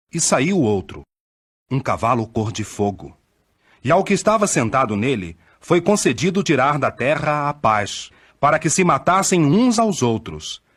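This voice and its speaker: A man giving a solemn, declamatory scripture reading, measured, with dramatic swells. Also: mid-range voice, breathy edge. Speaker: scripture reader.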